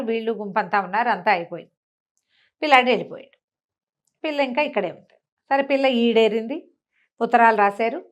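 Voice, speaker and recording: High-voiced woman telling a folk tale. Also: a bit bright. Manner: chatty, colloquial, acts out villagers' quoted remarks. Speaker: storyteller. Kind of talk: conversational oral storytelling of a folk tale.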